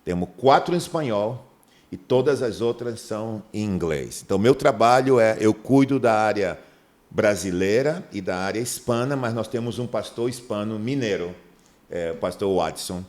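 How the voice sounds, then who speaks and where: With a voice on the low side and a normal speaking speed, a middle-aged pastor from Manaus, Brazil, tells stories on a podcast interview. He performs the dialogue animatedly, raising his voice as he does.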